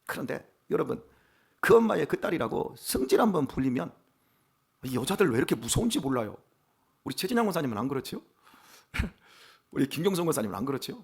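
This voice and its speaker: Husky, lively-pitched Korean pastor preaching. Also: male voice. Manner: swings between booming preaching and hushed storytelling asides. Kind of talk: dawn sermon. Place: church sanctuary.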